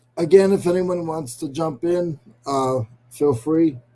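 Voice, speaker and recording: A man with a New England accent speaks fairly slowly in a dark, mellow tone. His fairly high pitch shows ordinary variation. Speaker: online reseller livestreaming. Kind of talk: casual live stream chat. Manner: loud.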